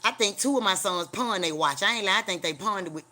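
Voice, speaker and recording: A man's voice: sits high, quick pace, pushed and bright. A middle-aged man with a Southern African American Mississippi accent, chatting casually on a livestream in a rambling, blunt, profane country way. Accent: Southern African American English, Mississippi. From Mississippi, USA.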